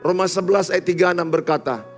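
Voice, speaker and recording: A man, preaching a sermon in a large church hall. He builds cadenced lists with loud emphasis, then drops into soft, intimate asides. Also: sits high, fast talker. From Indonesia. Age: 50s. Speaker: pastor. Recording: long hall reverb with faint music.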